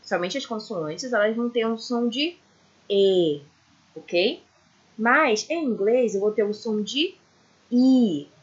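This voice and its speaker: A woman with a Brazilian Portuguese accent patiently teaches English letter sounds, repeating letters slowly and frequently asking "ok?" Her voice is fairly high with lively intonation, captured on a dull lo-fi recording.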